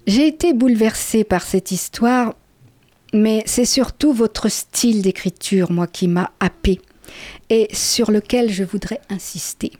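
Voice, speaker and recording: A woman's voice: medium pitch, unhurried, dry recording. A woman interviewing an author about his novel and reading passages aloud. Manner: reads quotations aloud, warm praise. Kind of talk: literary interview.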